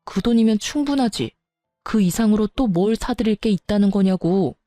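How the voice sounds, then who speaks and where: A woman's voice: mid-range voice, moderate pace, warm tone, no room sound, clean studio sound, faint music behind, close to an everyday voice. A woman doing a defensive, evasive husband. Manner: defensive, argumentative.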